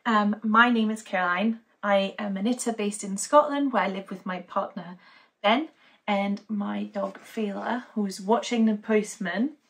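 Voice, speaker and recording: A young woman from Denmark talks casually to the camera in her living room. She is chatty and upbeat, rambling with plenty of "um"s. Her voice sits at an ordinary middle pitch for a woman. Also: a little slow, a bit bright. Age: young adult. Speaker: knitting podcaster. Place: living room at home, indoors.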